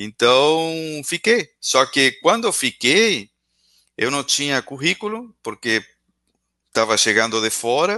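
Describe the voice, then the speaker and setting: In a Spanish accent, a man with a bright, sharp tone speaks at a very slow pace with very wide pitch swings and long, frequent pauses, over a quiet background. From Argentina. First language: Spanish (speaking Portuguese). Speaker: entrepreneur and podcaster. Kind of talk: interview. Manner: hesitant with many repetitions.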